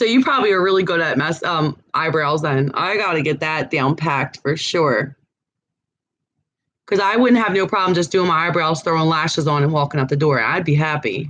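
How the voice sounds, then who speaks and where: A woman speaks with a very deep, low pitch and an animated tone. Her intonation is lively while her loudness stays very even. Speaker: beauty youtuber. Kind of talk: casual chat. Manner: fast.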